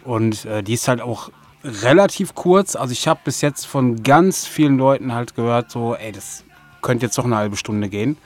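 A man's voice: medium pitch, moderate pace, faint music behind. A man talking casually as a guest in a podcast interview. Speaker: guest, audio drama maker.

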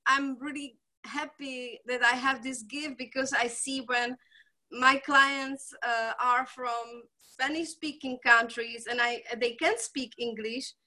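A middle-aged woman from the Czech Republic, a native Czech speaker, talking as a healer guest in halting English, effusive and laughing often. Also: high voice, bright, forceful tone. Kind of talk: conversational interview.

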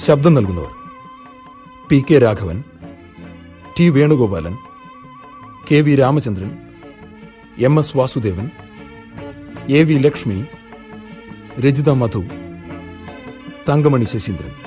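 A male radio announcer with a Malayali accent reads the credits slowly and formally. His voice is mellow, and faint music plays under it. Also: medium pitch, expressive. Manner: measured, formal. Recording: radio broadcast with music behind.

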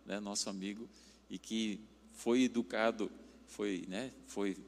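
A man's voice: lowish voice, steady tone, takes it slowly, creaky. A man from southern Brazil with a German accent in his Portuguese, preaching conversationally as a pastor. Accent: German-influenced Brazilian Portuguese. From Curitiba, southern Brazil. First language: German as first language of literacy. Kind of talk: conversational sermon with anecdotes. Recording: reverberant hall sound.

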